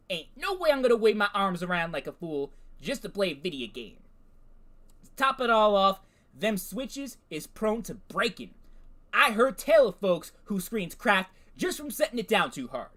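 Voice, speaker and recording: A man putting on a grumpy backwoods hillbilly voice, ranting in a folksy drawl. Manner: folksy drawling rant, high and loud. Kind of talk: comedic reading of a chatbot's text.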